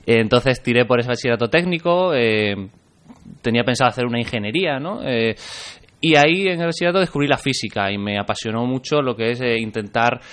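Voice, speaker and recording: A man's voice: mid-range voice, fairly quick, a bit bright. Young Spanish man, thoughtful, restarting phrases. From Extremadura, Spain. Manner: thoughtful, many small restarts. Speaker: guest. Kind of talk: interview conversation.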